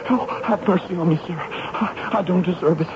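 A man playing a frightened young man in a radio drama. He pleads frantically in a high voice. The sound is muffled and heavily noisy. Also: normal speed, close to an everyday voice. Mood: terrified pleading. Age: young adult. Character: terrified youth begging for his life. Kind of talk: 1970s radio drama acting.

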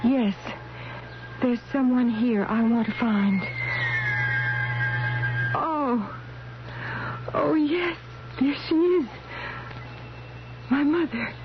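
A woman's voice: on the high side, background noise. An actress playing an unconscious, dying woman in a radio drama, drifting dreamily and wistfully in search of her dead mother. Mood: dreamy, searching. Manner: dreamy, slow, wistful and pleading. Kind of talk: old-time radio drama acting, inner monologue. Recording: dull vintage radio recording, loud music behind. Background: loud music.

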